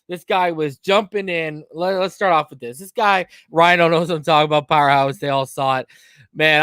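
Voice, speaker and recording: Ranting high-voiced man, dry mic. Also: clean tone, no echo. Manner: heated, mocking, swings from mumbling to loud. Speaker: podcast host. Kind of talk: casual live-stream rant.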